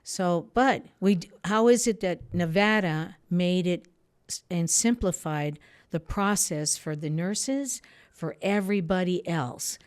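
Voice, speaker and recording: A woman's voice: on the low side, slow. A woman whose first language is Spanish, answering earnestly as an interview guest in rambling, often broken-off sentences. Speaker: interview guest, political candidate.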